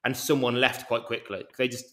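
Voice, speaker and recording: A man with a mild Birmingham accent talks through a casual interview at a medium pitch. He speaks deliberately and a touch slowly, picking his words carefully for international listeners. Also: flat delivery, fairly bright tone. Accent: mild Birmingham English. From England. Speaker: yoga teacher, podcast guest.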